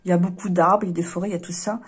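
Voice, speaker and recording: A woman giving a casual tarot card reading, hesitant and apologetic, often pausing and sighing. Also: lowish voice, steady tone, husky. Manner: hesitant, apologetic, with frequent fillers and sighs.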